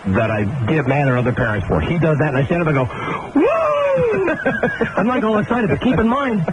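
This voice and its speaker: A middle-aged man hosts a radio talk show and tells a story in a lively, up-and-down voice with a fairly high pitch. He gets animated and breaks into laughs and shouts at the high points. The sound is a dull old broadcast tape with clear hiss. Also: normal speed. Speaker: radio host.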